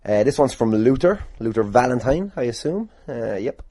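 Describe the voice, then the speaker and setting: A man's voice: medium pitch, lively intonation, moderate pace, warm tone, no echo. A man hosting a casual solo podcast, rambling and sweary as he answers listener questions in a jokey way. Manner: rambling, sweary, jokingly boastful. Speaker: podcast host and wrestler.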